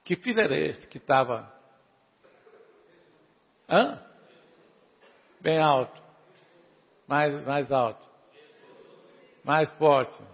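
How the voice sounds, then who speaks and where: A man preaches with a high, husky and gravelly voice, animatedly retelling a parable and firing questions at his listeners. The sound is muffled and rings with a long hall echo. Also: drawn-out words, long pauses. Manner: animated, asks the congregation questions, urges them to answer louder.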